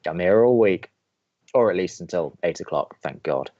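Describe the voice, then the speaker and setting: A man playing a cynical, grumpy young college radio co-host in an audio drama, with sardonic, deadpan, exasperated banter. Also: deep voice, moderate pace, highs cut off, a little hiss or hum. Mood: dry, sardonic. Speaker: actor in a romantic comedy podcast.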